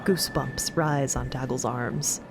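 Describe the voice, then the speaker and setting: A woman's voice: a bass voice, fairly even intonation, measured pace, background noise. A woman narrating audio fiction in a storytelling style. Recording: music behind the voice.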